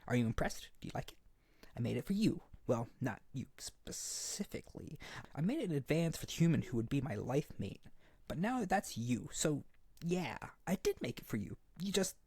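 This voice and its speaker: A man's voice: a little high, normal speed, gravelly, slightly rough, no echo, heavily acted. A man playing a hyper, naive and desperate harpy boy in an ASMR character roleplay, earnest and pleading. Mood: proud, eager. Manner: pleading, excitable, stammering, earnest.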